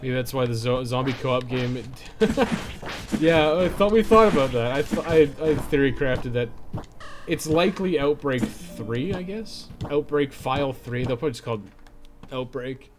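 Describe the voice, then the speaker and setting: A man's voice: mid-range voice, expressive, normal speed, background noise. A man chatting casually and informally, with some swearing, as he livestreams a video game. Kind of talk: casual chat while playing a game. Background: game music.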